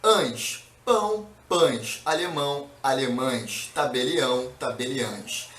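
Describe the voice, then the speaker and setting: A man's voice: mid-range voice, slow, a bit bright. A male teacher gives a recorded grammar lesson, reading word lists aloud and checking in with students. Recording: echoey room, mic at a distance.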